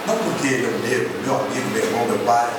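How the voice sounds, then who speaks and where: A man's voice: medium pitch, rapid-fire, over loud music. A middle-aged man with a Brazilian Portuguese accent preaching a sermon, telling stories animatedly and acting out dialogue. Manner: animated storytelling, acts out dialogue. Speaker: pastor. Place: church hall. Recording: echoey church hall, distant mic, noisy.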